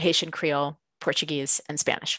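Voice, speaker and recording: A woman with a Californian accent talks at a moderate pace in a bright, sharp tone, the sound dry and close with no echo and a quiet background. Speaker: poet and translator. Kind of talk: interview.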